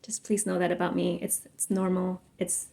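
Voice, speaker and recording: A woman's voice: on the low side, monotone, normal speed, gravelly, warm tone. A young adult woman from Mexico, a native Spanish speaker, chatting casually and effusively to camera with many fillers and restarts. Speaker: book vlogger.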